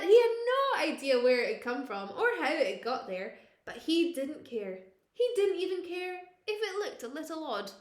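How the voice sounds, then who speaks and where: Her voice is high and the sound roomy as this woman, a primary school teacher, expressively reads a picture book to young children. She adds dramatic pauses and asks her listeners questions.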